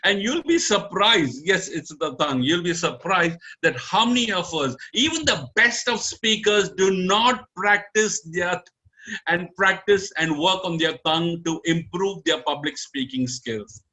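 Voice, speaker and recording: A man teaching a live online public speaking lesson, animated and coaxing, swinging his pitch up and down for emphasis as he talks straight to his audience. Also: unhurried.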